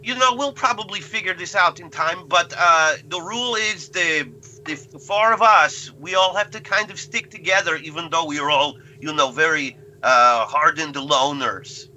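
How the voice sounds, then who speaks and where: A man playing a tabletop roleplaying game, hesitant and joking in a dry, deadpan way. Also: on the high side, moderate pace, slight background noise, poor audio. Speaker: player.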